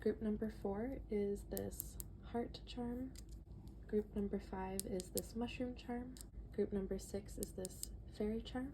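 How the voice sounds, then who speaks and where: Chatty and relaxed, this woman gives a casual tarot reading, reading passages from a book aloud. Her mid-range voice moves at a measured pace, stuffy-nosed and a bit out of breath, with background noise behind her.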